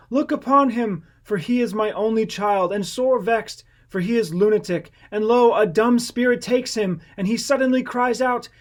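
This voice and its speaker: Scripture audiobook role: desperate father begging for his only son, high, loud, imploring voice performed by a male narrator. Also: close to an everyday voice. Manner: crying out, imploring.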